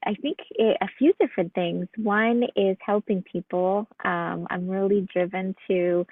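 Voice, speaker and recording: A woman's voice: mid-range voice, fairly even intonation, a little slow, dry recording. A woman from Ukraine, a psychologist guest, answering interview questions in an earnest, reflective way with many fillers, over a tinny phone-like line.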